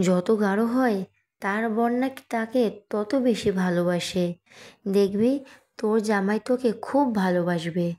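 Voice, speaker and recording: A woman's voice: medium pitch, mellow, natural voice. A woman voicing a strict middle-aged mother who talks in a stern, commanding way, in an audio story reading. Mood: tender.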